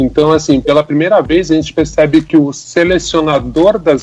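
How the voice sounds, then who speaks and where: Noticeable background noise sits behind a man talking at a moderate pace and fairly high pitch with ordinary pitch variation. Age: 30s. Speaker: graphic designer and video director. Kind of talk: casual chat.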